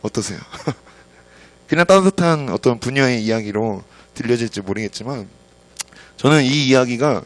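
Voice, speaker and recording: A male preacher delivering a sermon, telling a story and often filling pauses with a soft "yes.". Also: mid-range voice. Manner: fills pauses with frequent "yes". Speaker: pastor.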